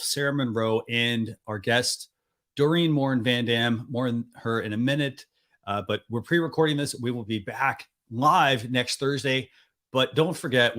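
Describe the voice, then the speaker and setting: A man's voice: mid-range voice, a bit bright. A man hosting a weekly online talk show, speaking in a friendly, loose way with plenty of fillers.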